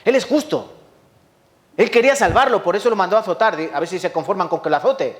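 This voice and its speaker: A male pastor from Spain preaching a sermon in a church hall, his voice sitting a little high. He tells his stories dramatically, throwing out rhetorical questions and acting out sounds as he goes. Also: expressive, very fast.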